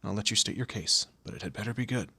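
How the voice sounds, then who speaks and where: A man playing a commanding, teasing demon lord in an audio roleplay, with a low gravelly, husky voice and an imperious, theatrical manner. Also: quick pace, bright, forceful tone, dry recording, full character voice. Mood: stern, threatening. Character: male demon lord, commanding, menacing, teasing boss of hell. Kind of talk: scripted audio roleplay addressed to the listener.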